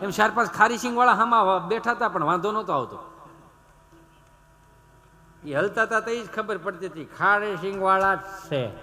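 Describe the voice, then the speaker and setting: Gujarati male stage comic, animated and bright-toned, plays every character himself. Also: sits high, moderate pace, pauses often, soft background music. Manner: animated, acts out village characters in raised voices. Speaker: stage comedian. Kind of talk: folk stand-up storytelling.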